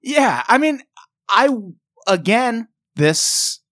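A man's voice: very high voice, big pitch swings, drawn-out words, a bit bright, dry recording, clean studio sound. A man co-hosting a podcast, talking in a sarcastic, wry, casual way. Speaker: podcast co-host. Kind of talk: casual comedic chat.

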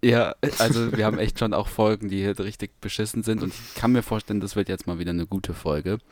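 A man co-hosting a podcast in casual chat, talking haltingly with lots of fillers and restarts. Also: lowish voice, fairly even intonation, a little mellow, no room sound. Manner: hesitant, many fillers and restarts. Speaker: podcast co-host.

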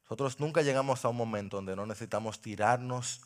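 A male pastor preaching a sermon into a microphone, impassioned, swinging from loud cries to hushed pleading. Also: mid-range voice, fast talker.

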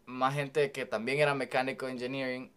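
A man's voice: mid-range voice, little pitch movement, normal speed, fairly bright tone, clear, resonant tone. A man in his twenties with a Salvadoran accent, a student talking easily and reflectively as a podcast guest. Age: 20s. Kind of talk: casual podcast conversation.

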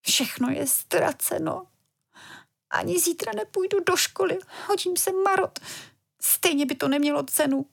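A woman's voice: high-pitched, expressive, husky, pitched above the performer's own voice, full character voice. A woman voicing an anxious, imaginative young girl in a children's storybook reading.

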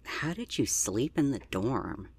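A performer acting in an audio drama as an anxious, tender young driver with a gentle, hesitant, earnest way of talking. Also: mid-range voice, big pitch swings, a little slow, slightly rough, full character voice. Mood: supportive.

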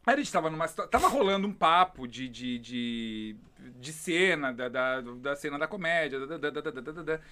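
A man comedian telling stories loudly in casual podcast chat, swearing freely. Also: on the high side, lively intonation. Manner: loud, fast storytelling, swears.

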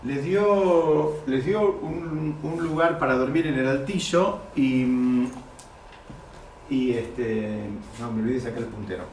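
A man teaching a Talmud story to students, animated and repeating key phrases. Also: medium pitch, slow, slight background noise. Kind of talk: lecture to students. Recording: echoey room, mic far off.

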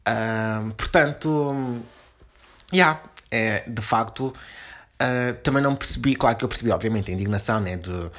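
A man's voice: fairly low pitch, moderate pace, a bit bright. A young man from Portugal, hosting a podcast from home in a slangy, casual monologue full of fillers and restarts. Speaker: podcast host. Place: home room.

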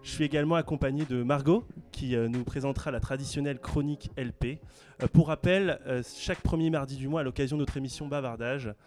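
A man hosts a casual radio chat show, introducing guests in a relaxed, hesitant way full of fillers. His voice sits at an ordinary middle pitch. Faint music plays behind him.

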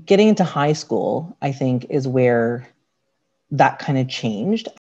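Raspy-voiced woman sharing candid stories. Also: animated, slow, mellow. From Canada. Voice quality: raspy, a little deep. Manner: candid, reflective storytelling. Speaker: podcast guest. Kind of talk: casual podcast chat. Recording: dull lo-fi sound.

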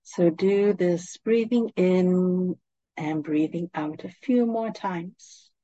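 A woman guides a meditation at a very slow, unhurried pace. Her voice is fairly low and soothing, with calm, gentle instructions. The recording is dry and slightly dull. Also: no echo.

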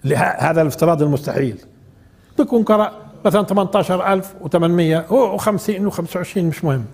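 Older male Quran teacher, high pitch, conversational lecturing. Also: quick pace, gravelly, a little mellow, breathy edge. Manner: conversational, asks the audience questions. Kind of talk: informal religious lesson.

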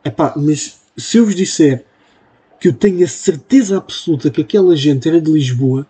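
Sitting at his home computer with its built-in mic, a young podcast host with a European Portuguese accent talks solo in a warm, husky, slightly high voice. He's expressive and moderately paced, rambling along with plenty of fillers and self-mocking jokes.

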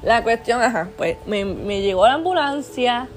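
A young woman talks straight to her viewers, chatty and earnest, circling back on her words with restarts and fillers. Her voice sits a little high. Faint music plays quietly underneath. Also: lively intonation, moderate pace. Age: 20s. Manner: earnest, faith-minded advice giver. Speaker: vlogger. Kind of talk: casual personal storytelling.

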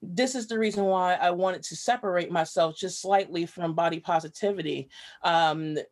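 A woman's voice: lowish voice, normal speed, a little mellow. A woman guest in an interview, a writer and activist, speaking earnestly and reflectively with frequent fillers. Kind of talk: conversational interview storytelling.

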